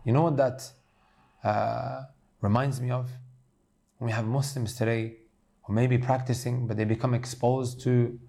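A man delivers an earnest sermon with a dark, mellow voice. He speaks directly to his listeners as brothers and sisters, steady and sincere. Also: medium pitch, unhurried, vocal fry, pauses often. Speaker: preacher.

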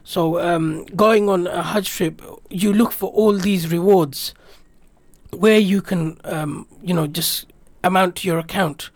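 In a radio interview, a man from Britain, English being his first language, slowly recollects a trip in an earnest, reflective, rambling manner. His voice is high and steady, with no room sound.

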